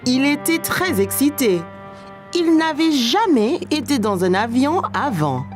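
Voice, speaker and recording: A woman narrating a children's cartoon in a gentle storybook manner. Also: high voice, big pitch swings, a little slow, soft background music.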